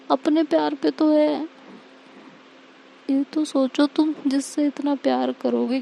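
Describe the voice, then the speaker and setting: A woman's voice: high voice, gravelly, mellow, a little hiss or hum. A woman voicing a young woman who begs her lover again and again, repeating her pleas. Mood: pleading. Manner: begging, repeating pleas over and over.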